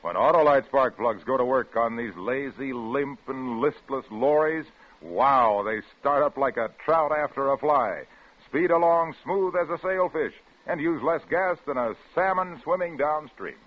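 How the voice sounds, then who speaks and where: A man working as a commercial announcer on old radio, giving a hearty, emphatic scripted sales pitch. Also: unhurried. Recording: tinny band-limited old radio recording.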